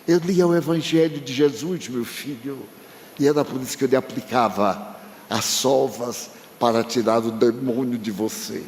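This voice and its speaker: An older man speaks to a congregation in a large hall, his voice carrying a long reverb. He tells a personal story with emotion, voicing the dialogue in turn. His pitch sits in a middle range for a man. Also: moderate pace, a little mellow, a little hiss or hum. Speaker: spiritist speaker. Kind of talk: storytelling lecture.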